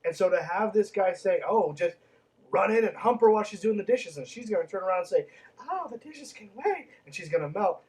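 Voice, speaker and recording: Male podcast host, fairly high voice, reads then riffs with profane sarcasm; sits a little away from the mic. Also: a little mellow, far from the mic, low-quality recording. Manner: sarcastic, swears freely, reads then interrupts himself. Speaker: podcast host reading and commenting on a book. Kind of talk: casual commentary while reading aloud.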